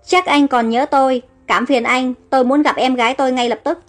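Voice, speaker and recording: A woman's voice: sits high, fairly even intonation, a little fast, close to an everyday voice. A woman voicing an earnest young man protective of his sister in a storybook reading, over faint background music. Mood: moved. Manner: earnest, reassuring. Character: devoted young elder brother, earnest and protective.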